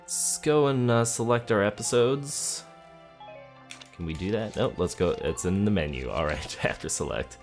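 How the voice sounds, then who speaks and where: A man's voice: on the low side, animated, moderate pace. A man doing game commentary for a let's play, reading in-game text and talking through his choices. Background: game music.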